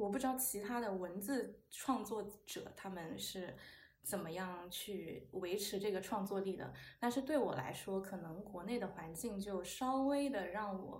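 Audible room echo surrounds a woman speaking at a fairly slow pace. Her voice is medium in pitch and somewhat breathy, with ordinary pitch variation. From southern China, Shenzhen. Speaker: podcast co-host. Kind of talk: casual chat.

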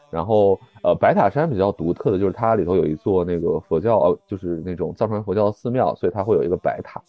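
Over music in the background, a man talks at a very fast pace with hardly any pauses. His pitch is fairly low, and its variation is ordinary. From Lanzhou, Gansu, northwest China. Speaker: podcast co-host. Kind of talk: casual chat.

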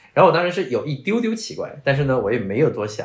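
Very fast speech with vocal fry, very wide pitch swings and audible room echo. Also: man. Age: 20s. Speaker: podcast co-host. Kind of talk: casual chat. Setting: in person, Stockholm. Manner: animated.

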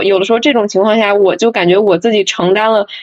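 Speaking fairly quickly, a woman keeps a medium pitch that varies in an ordinary way. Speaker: graduate science student caller. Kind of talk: call-in question. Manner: halting.

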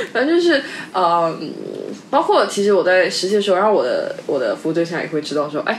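Amid noticeable background noise and audible room echo, a woman at medium pitch speaks fairly quickly with very wide pitch swings. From Chaozhou, Guangdong, China. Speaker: podcast guest. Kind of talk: casual chat.

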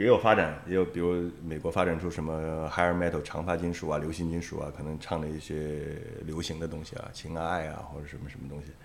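A man's very deep, low voice at a fairly quick pace, with fairly even intonation, hardly any pauses, big swings in loudness and audible room echo. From Sichuan, Zigong. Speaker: metal band singer. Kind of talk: interview conversation.

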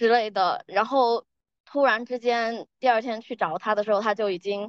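With a normal speaking voice, a woman talks at a fairly high pitch in a dry, close sound with no echo. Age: 30s. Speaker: healthcare worker. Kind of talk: casual chat. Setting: remote call.

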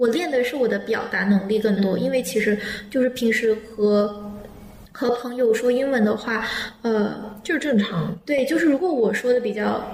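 A woman talks at a moderate pace with fairly high pitch and ordinary pitch variation. Noticeable background noise can be heard. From Malaysia. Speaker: international university student. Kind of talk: casual interview chat.

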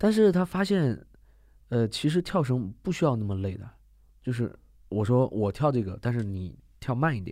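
The recording is very clean, with a silent background. A man of medium pitch talks at a moderate pace with lively intonation. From Henan, China (Zhengzhou). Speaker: retired trampoline world champion. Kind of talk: casual interview.

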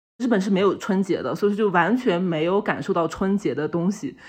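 A woman's medium-pitched voice at a moderate pace against a quiet background. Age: 30s. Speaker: listener sharing personal story. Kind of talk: personal testimony.

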